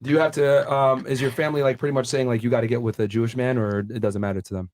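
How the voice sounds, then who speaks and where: A man hosting a podcast panel, working through a checklist of questions about name, age, job and schooling. He talks quickly at a middle pitch and jots down the answers as he goes. He stays casual and a little offhand throughout. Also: steady tone, darkish tone, slight background noise. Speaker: podcast host.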